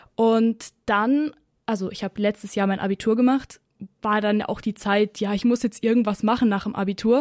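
A normal speaking voice from a woman, fairly high in pitch, with fairly even intonation at a moderate pace, on a very clean recording with a silent background and a dry, close sound with no echo. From Baden-Württemberg, Germany (Bühl near Baden-Baden). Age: 20s. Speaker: radio intern. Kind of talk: interview.

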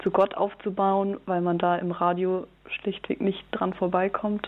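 Her intonation monotone and flat, a woman speaks at a medium pitch and a fairly slow pace. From Upper Bavaria, Germany (Bad Tölz-Wolfratshausen district). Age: young. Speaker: radio intern. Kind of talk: interview.

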